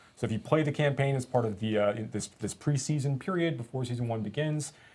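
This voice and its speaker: A somewhat breathy man talks at a very fast pace. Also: medium pitch for a man, ordinary pitch variation. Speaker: game developer. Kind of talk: livestream panel discussion.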